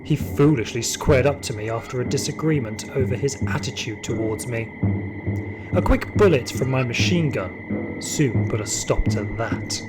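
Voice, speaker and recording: A man playing a sadistic, power-hungry security guard, narrating his story in an audio drama with deliberate menace. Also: mid-range voice, lightly acted, poor audio. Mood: gloating menace. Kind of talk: scripted first-person audio drama monologue. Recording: music behind the voice.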